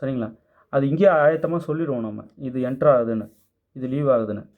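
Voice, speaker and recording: A man with a quick, mid-range voice teaches maths in class, working through a problem methodically step by step and answering students' doubts. He speaks Tamil mixed with English terms, and the audio has phone-quality sound.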